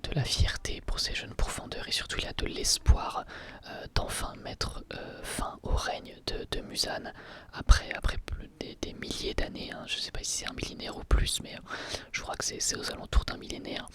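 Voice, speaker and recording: A man giving a whispered ASMR review, talking in a relaxed, rambling way with hesitant restarts. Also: normal speed. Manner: soft unvoiced whisper throughout.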